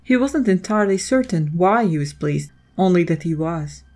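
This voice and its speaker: A woman's voice: on the low side, lively intonation, normal speed, warm tone. A woman reading scripted, dramatic story narration as the narrator of an audio drama.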